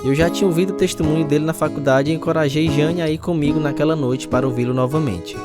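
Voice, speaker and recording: A man's voice: fairly high pitch, fairly even intonation, fast, natural voice. An actor playing a troubled, repentant man telling his own story as a dramatised radio testimony. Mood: reflective. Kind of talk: first-person dramatised testimony narration. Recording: music behind the voice.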